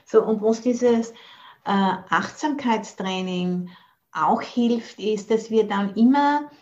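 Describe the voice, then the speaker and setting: Taking it slowly, a Buddhist nun teacher from Austria speaks over a video call in a medium-pitched, slightly mellow voice. Her dharma talk is thoughtful, with pauses to find words and English phrases mixed in. The sound quality is lo-fi.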